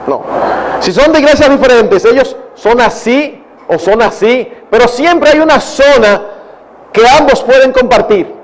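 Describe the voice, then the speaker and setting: Older Dominican pastor, man, very high pitch; earnest, digressive Q&A delivery. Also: animated, a little slow, a little hiss or hum, poor audio. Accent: Dominican Spanish. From Dominican Republic. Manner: earnest, digressive, addresses audience as brothers. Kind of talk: conference Q&A talk.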